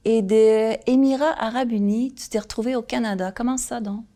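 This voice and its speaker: A woman, interviewing a guest and gently prompting her with short questions. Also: fairly high pitch, steady tone, normal speed. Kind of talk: conversational interview.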